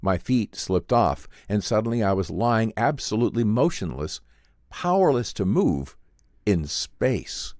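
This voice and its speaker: A man reading a vintage science fiction story as a dramatic audiobook narrator, theatrical and measured in delivery. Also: lowish voice, very animated, darkish tone, no room sound, studio quality.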